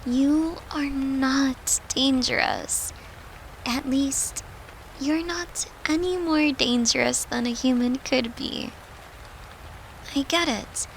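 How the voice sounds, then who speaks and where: A woman playing a gentle, devoted girlfriend who soothes her lover in an intimate comfort roleplay, speaking tenderly and reassuringly in a soft, hushed voice. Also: high voice, slow pace, slight background noise, low-quality recording.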